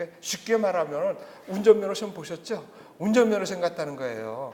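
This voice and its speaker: A man talks in a high pitch. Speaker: instructor for meteorology exam prep. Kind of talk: lecture. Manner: casual, hesitant with fillers.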